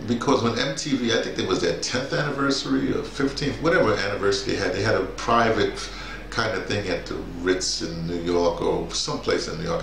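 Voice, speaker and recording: Low, gravelly middle-aged man, rambling. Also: fairly bright tone. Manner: rambling, halting, thinking aloud. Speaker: music commentator sharing personal memories. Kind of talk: casual spoken reminiscence, unscripted personal commentary. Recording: roomy echo, faint background noise.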